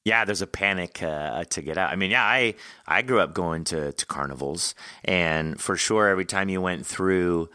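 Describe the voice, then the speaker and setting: A man's voice: deep voice, normal speed, hardly any pauses, sharp tone, clean tone, no room sound, studio quality. A man hosting a podcast, chatting casually and in a rambling way with his guest. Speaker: podcast host. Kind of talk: casual conversational interview.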